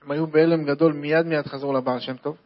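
A man telling a religious tale in a sermon style, animated and repeating lines for emphasis. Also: on the high side. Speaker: religious storyteller. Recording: dull lo-fi recording.

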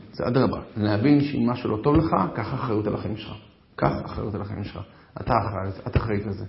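A man's voice: lowish voice, creaky. A man in his forties giving a humorous talk on marriage, telling stories about himself and speaking straight to his listeners. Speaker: lecturer on marriage and self-improvement. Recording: roomy echo, dull lo-fi sound.

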